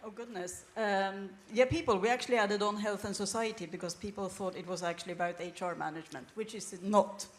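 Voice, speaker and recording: A woman answers questions as a director on a conference panel. Her voice has an average pitch. The delivery is conversational. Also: fairly even intonation, brisk, few pauses. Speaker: research director, panel guest.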